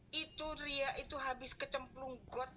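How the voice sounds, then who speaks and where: A woman, a fitness instructor, chatting casually late at night and telling animated stories full of sighs of dismay. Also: high voice, a little slow, slight background noise.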